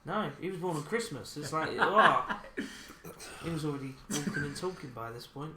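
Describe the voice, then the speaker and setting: A man's voice: fairly high pitch, animated, moderate pace, a loud crowd. A man co-hosting a gaming podcast, joking around and laughing often in casual chat. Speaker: podcast co-host. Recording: roomy, noisy home podcast recording.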